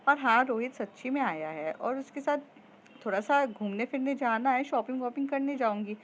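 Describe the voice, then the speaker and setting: A woman's voice: high-pitched, normal speed, muffled recording, a little hiss or hum, lightly acted. A woman voicing a young woman student, grieving yet defiant and teasing, in a storytelling podcast. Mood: defensive. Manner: pleading, then defensive and teasing.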